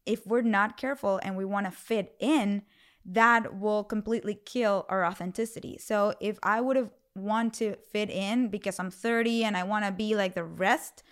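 A woman in her thirties with a smooth, resonant voice. She talks as a podcast guest in a relaxed interview. She tells her stories in an animated way and quotes her own past thoughts. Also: medium pitch, normal speed. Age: 30s. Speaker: podcast guest, speaker on fear. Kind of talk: casual interview conversation.

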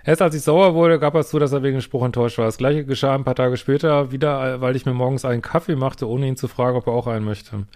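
A man's voice: mid-range voice, steady tone, fast, few pauses, darkish tone. Sarcastic German man reading a letter. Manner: sarcastic, exasperated asides with frequent "ey". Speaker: couples therapist and podcast host. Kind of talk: reading a viewer's email aloud with commentary.

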